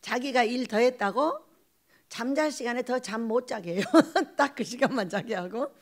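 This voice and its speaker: High gravelly woman preaching. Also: normal speed. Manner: animated preaching, acts out quoted voices, laughs often. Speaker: pastor. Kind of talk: sermon.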